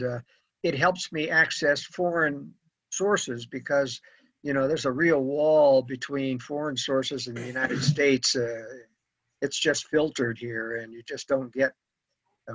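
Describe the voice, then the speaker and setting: A man's voice: medium pitch, a bit bright, no echo. An older man, an author, giving earnest, rambling interview answers full of fillers. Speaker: author and guest. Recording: dull lo-fi audio.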